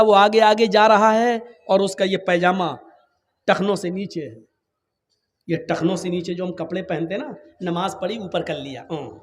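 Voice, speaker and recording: Male preacher, high-pitched and dramatic, long hall reverb; quiet asides that burst into shouts. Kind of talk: Urdu sermon with acted storytelling.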